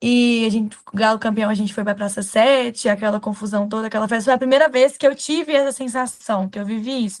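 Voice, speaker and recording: Very fast, fairly even speech from a woman pitched fairly high. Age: 20s. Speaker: football supporter, journalism student. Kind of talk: interview.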